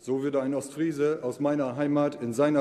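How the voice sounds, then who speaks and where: Crowd noise fills the background. A man talks at a moderate pace in a fairly high pitch. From East Frisia, Germany. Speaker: member of parliament. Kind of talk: parliamentary speech. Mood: light, humorous asides. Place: hall. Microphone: podium.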